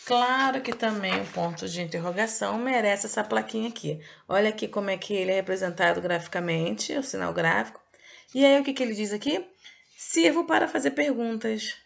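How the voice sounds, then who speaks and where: A woman's voice: mid-range voice, vocal fry. A woman teaching a recorded review lesson to children. She talks in a didactic way, stretches key words and often checks in with short "okay?" tags. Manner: didactic, drawn-out emphasis, checks in with "ok?" and "tá?".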